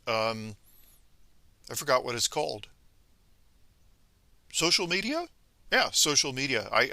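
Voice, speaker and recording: Sharp-voiced man, slow and scolding. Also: medium pitch, no echo. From Venezuela. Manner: halting, many pauses and restarts; scolding, emphatic. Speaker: commentator. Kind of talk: political monologue to viewers.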